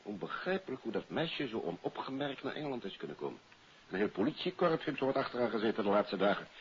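An actor playing a courteous German police inspector in a 1950s radio drama, speaking in a polite, explanatory way. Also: male voice, mid-range voice, very animated, fast, vocal fry. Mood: explanatory, baffled. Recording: muffled, hissy old radio recording.

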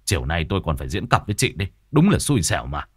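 A man's voice: medium pitch, very animated, fairly quick, a bit bright, no room sound, clean studio sound, voice pushed up. A man doing a curt, reproachful young actor. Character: blunt young male opera actor, protective.

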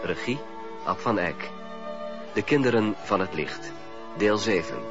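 A man's voice: low-pitched, animated, unhurried, music in the background. A man reading scripted title and cast credits as the announcer of a radio drama. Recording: dull radio recording.

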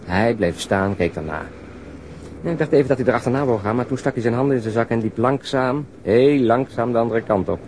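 An actor playing a wry, chatty police detective in a Dutch radio drama, with a sardonic, teasing way of talking. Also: male voice, mid-range voice, brisk, darkish tone, slight background noise, close to an everyday voice. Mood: wry amusement.

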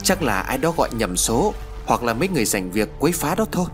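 A man's voice: medium pitch, sing-song, fast, music in the background, close to an everyday voice. A man voicing a grieving older mother, speaking in a trembling, fearful way. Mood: worried.

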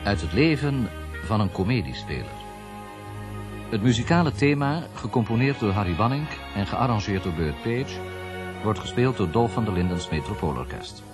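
Low, lively male radio announcer over music. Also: normal speed. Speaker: radio announcer reading programme credits. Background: music under the voice.

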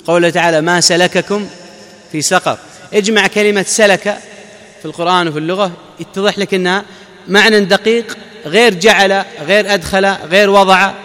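Male scholar, high voice, Quran exegesis lesson, explains step by step, long hall reverb. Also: fairly bright tone. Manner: explanatory, asks the audience questions then answers. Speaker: Islamic scholar.

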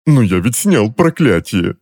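A man reading an audiobook and voicing a cursed, tormented middle-aged uncle who snarls, whines and wails in a shrill, strained voice. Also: very animated, moderate pace, darkish tone. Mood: wailing, pleading. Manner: shrill, wailing, pleading.

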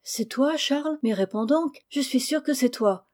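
Woman reading as a gentle blind girl. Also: high voice, a little slow, voice pushed up. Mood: tender. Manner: soft, tender, earnest.

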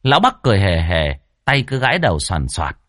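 Man, ghost story narration, very animated pitch, dry studio sound. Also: fairly quick, no room sound. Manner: expressive, rhythmic storytelling.

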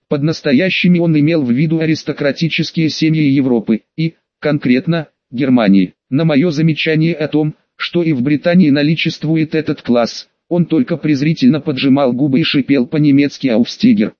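A man with a slightly higher voice reads a first-person audiobook in measured, evenly paced phrases. The recording is close and dry, with a dull, somewhat lo-fi tone. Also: a little mellow, dry recording. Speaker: audiobook reader.

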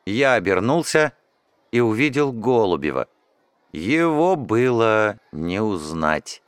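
A man narrating a children's audiobook in an expressive first-person storytelling way. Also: on the low side, slow, clear, resonant tone, no echo.

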